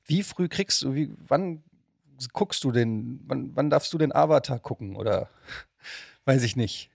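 Creaky mid-pitched man, casually curious. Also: lively intonation, a little slow, a little mellow, dry recording, studio quality. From Germany. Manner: curious, informal, thinking aloud. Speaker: podcast host. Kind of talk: casual interview chat.

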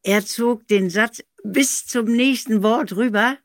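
A woman's voice: on the high side, slow pace, no room sound. Older woman telling studio anecdotes. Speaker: audio drama director recalling studio work. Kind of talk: animated anecdotal storytelling.

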